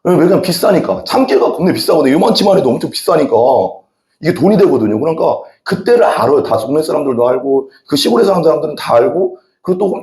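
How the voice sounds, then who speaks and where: A man's voice: on the high side, animated, fast, darkish tone. A middle-aged man preaching a sermon as a pastor, telling rambling folksy stories from the pulpit. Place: church sanctuary. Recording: echoey church hall.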